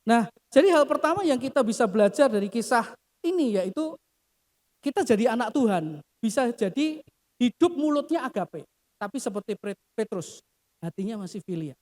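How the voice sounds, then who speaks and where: A woman's voice: fairly high pitch, animated, normal speed, a little mellow. A woman pastor delivering a sermon, acting out quoted prayers and often addressing the congregation directly. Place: church. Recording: reverberant church hall.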